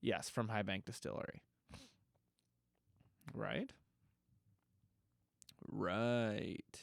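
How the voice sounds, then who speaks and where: A man's voice: lowish voice, steady tone, drawn-out words, gravelly, no room sound, clean studio sound. A man hosting a podcast who is stuffy, answering listener questions in a casual, rambling way with many fillers and restarts. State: stuffy nose. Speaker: podcast host.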